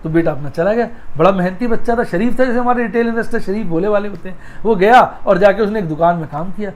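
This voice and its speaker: A man with a fairly high voice talks markets to his viewers like a patient teacher. He is middle-aged, homely and direct, and he repeats his phrases as he tells little stories to make a point. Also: fast talker. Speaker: stock market educator. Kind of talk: casual teaching talk with storytelling.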